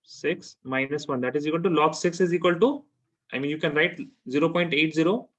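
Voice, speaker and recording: The recording is muffled, carrying a man's slightly high voice at a little fast pace. He has a South Asian accent and teaches chemistry in informal one-to-one tutoring, often repeating himself and asking questions to check comprehension.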